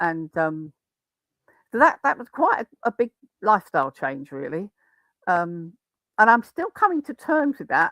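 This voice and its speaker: A woman at a medium pitch speaks at a moderate pace with very wide pitch swings, big swings in loudness and long, frequent pauses. Her tone is bright and sharp, and the sound is dry and close, with no echo. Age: 60s. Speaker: member of a druid order. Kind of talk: interview.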